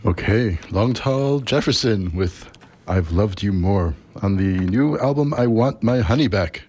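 Deep-voiced male interviewer. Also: expressive, unhurried, a little mellow, husky. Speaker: interviewer host. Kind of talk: radio interview.

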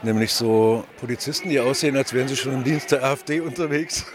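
A man's voice: mid-range voice, fast, heavy background noise. A man reporting and interviewing on a market square during a rally, with dry, wry remarks.

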